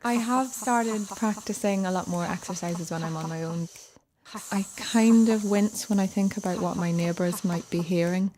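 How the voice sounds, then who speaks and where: A woman in her thirties from Northern Ireland with a Northern Irish accent, telling her own life story in a relaxed, reflective, conversational way. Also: medium pitch, normal speed, slight background noise, poor audio. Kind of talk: personal story narration. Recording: soft music behind.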